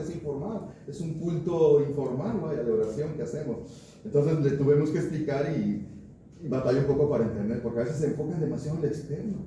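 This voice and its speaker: Pastor preaching in a booming church. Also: male voice, mellow, slight background noise. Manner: conversational preaching with frequent rhetorical questions. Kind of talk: sermon. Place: church hall. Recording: far-off mic in an echoey church.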